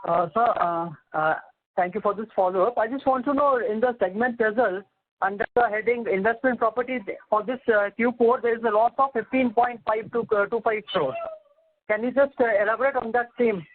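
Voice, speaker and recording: A man's voice: sits high, a little fast. A man with an Indian accent, an individual investor calling in with deferential questions. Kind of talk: deferential questioning on earnings call. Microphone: telephone. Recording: tinny telephone line.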